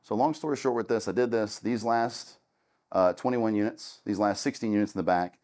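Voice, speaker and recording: A man's voice: on the low side, a little fast, a little mellow. A man, casually and candidly talking a student audience through his start in real estate, with many restarts. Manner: candid and conversational, with many restarts and "long story short". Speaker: real estate investor giving a talk.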